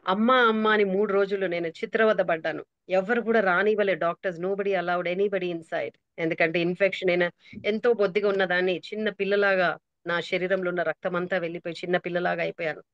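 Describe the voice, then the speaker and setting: A woman's voice: on the low side, steady tone, a little fast, no room sound, highs cut off. A middle-aged woman giving an emotional, earnest testimony sermon over a call, slipping in English phrases. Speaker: prayer group speaker.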